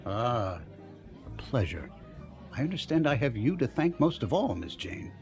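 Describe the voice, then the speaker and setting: Pompous senator in an echoing hall. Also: male voice, medium pitch, big pitch swings, moderate pace, darkish tone. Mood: smug charm. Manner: pompous, politician's formal delivery. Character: smooth self-important male senator courting donors. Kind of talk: full-cast audio drama acting, speechmaking. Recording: echoey hall reverb, music behind.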